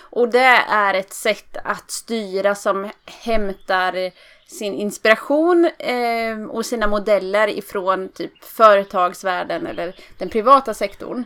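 On a very clean recording with a silent background, a woman speaks very slowly at a fairly high pitch with a bright, sharp tone. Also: ordinary pitch variation. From Sweden, Östergötland. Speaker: theologian and nurse. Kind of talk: interview. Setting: outdoors, small garden room at a cottage.

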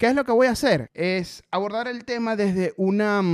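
The speaker has an animated tone, heard in a very clean recording with a silent background. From Venezuela, Maracaibo. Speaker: podcast host and stand-up comedian. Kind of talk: casual monologue.

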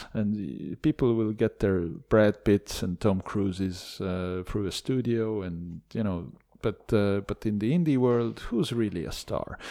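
With an Estonian accent, the speaker uses a dark, mellow tone, ordinary pitch variation and a fairly slow pace with hardly any pauses, on a very clean recording with a silent background. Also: man, fairly low pitch for a man. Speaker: film distributor. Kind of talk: casual chat.

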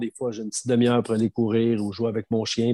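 A man's flat, monotone delivery at a medium pitch, dark and mellow in tone, with a dry, close sound and no echo. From Quebec, Mauricie. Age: 50s. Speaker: sports journalist. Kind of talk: casual interview.

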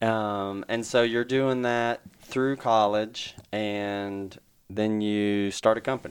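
A very slow, monotone man with fairly low pitch and flat intonation. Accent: East Tennessee. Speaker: podcast host and realtor. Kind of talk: casual interview; show intro and outro. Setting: studio, wearing a mask.

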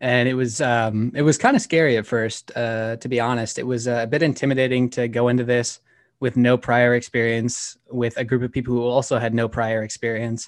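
A man's medium-pitched voice at a fairly quick pace with hardly any pauses, over a quiet background. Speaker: podcast host. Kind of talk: casual chat. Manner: energetic, faster talker for intros.

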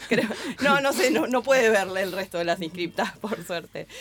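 A woman speaks at a medium pitch with lively intonation, and noticeable background noise can be heard behind her. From Argentina, La Matanza (Buenos Aires). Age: 40s. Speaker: football coach. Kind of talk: interview. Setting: studio.

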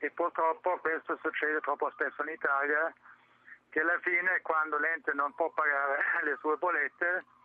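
At a moderate pace, the speech stays monotone with flat intonation. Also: man. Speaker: economist, think-tank director. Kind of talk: radio interview. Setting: remote line from abroad. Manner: halting.

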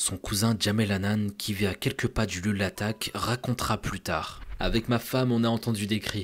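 A man's fairly low, flat monotone in a dramatic, solemn tone, at a moderate pace with hardly any pauses. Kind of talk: true-crime narration. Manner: solemn, grave storytelling with emotional pity; measured, vivid, dramatic retelling.

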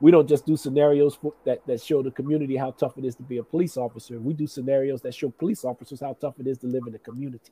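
A man with an American accent, dark and mellow in tone and somewhat breathy, talking very fast with hardly any pauses in a dry, close sound with no echo. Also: medium pitch for a man. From New Jersey, US. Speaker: retired deputy police chief. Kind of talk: interview conversation. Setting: online video stream. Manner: animated.

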